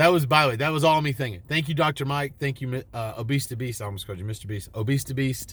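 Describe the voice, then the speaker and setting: With an American accent, a man speaks at a medium pitch, somewhat breathy, his intonation lively. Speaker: vlogger. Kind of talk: casual vlog. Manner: halting.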